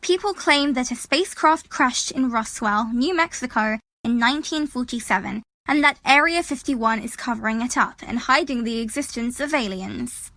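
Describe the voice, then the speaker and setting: An earnest young woman acted by a woman with a high, bright voice. She sounds determined and plain-spoken in audio drama dialogue, with a dry recording. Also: normal speed, few pauses, dry recording.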